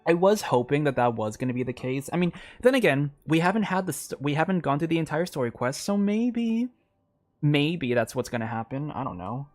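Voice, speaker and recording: A man's voice: on the high side, lively intonation, brisk, no room sound. A man streaming a game and chatting, rambling with lots of filler words. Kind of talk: live gameplay commentary.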